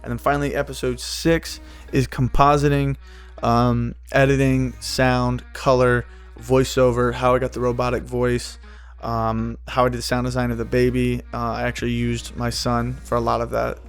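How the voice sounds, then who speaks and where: A man's voice: mid-range voice, completely flat delivery, normal speed, clean tone. Rambling casual man, faint music behind. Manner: rambling, loose, with many fillers and restarts. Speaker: animator and video creator. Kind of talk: casual behind-the-scenes walkthrough.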